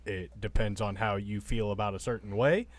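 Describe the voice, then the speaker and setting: A man's voice: on the low side, steady tone, moderate pace, no room sound. A man talking and explaining things casually as a player in a tabletop game.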